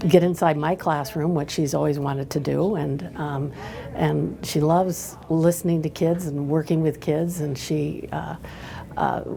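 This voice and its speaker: A woman's very deep, low voice, fairly even in intonation, over noticeable background noise. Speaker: middle school reading intervention teacher. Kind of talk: interview answer.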